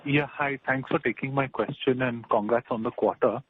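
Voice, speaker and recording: A man's voice: mid-range voice, fairly even intonation, normal speed. A man asking polite analyst questions on a conference call over the phone. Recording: tinny phone line with faint noise.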